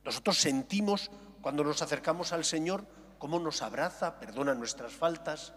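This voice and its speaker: A man preaching as a Catholic priest at Mass, solemn and measured, with deliberate phrasing. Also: fairly high pitch, a bit bright. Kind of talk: solemn liturgical reading and homily. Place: large echoing church. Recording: echoing cathedral-like hall, long reverb.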